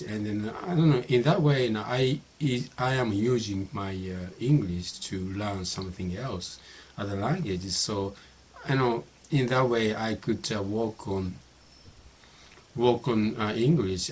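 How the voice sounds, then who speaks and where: Man, 50s, Japanese accent, low-pitched voice, hesitant speech, lots of fillers. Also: a little hiss or hum. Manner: hesitant, many fillers and restarts. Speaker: YouTuber. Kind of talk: casual talk to camera.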